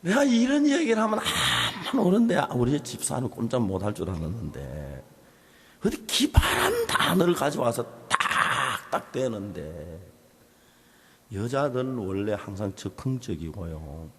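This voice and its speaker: A male pastor gives a sermon in a gravelly voice, his pitch leaping high and dropping low as he tells a story. He acts out both sides of conversations. He swings between loud bursts and hushed, whispered asides. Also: wildly swooping pitch, a little slow. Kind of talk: sermon at a Bible seminar.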